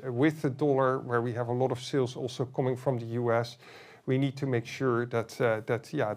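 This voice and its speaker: A man presenting an earnings call as chief executive, in halting corporate phrasing. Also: mid-range voice, a little mellow.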